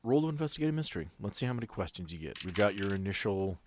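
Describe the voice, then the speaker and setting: A man's voice: lowish voice, sing-song, very fast, a little hiss or hum. A man narrating a tabletop roleplaying game as game master in a casual way.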